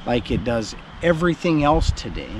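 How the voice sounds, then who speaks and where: A middle-aged man talks in a blunt, storytelling way from a camp chair in a yard. The camera sits a few meters off, so the sound is open and outdoorsy. Steady background noise runs under his voice. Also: mid-range voice, moderate pace. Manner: blunt, storytelling, animated when recounting. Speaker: homesteading vlogger. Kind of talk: casual chat. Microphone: camera a few meters away. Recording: noisy outdoor camera audio.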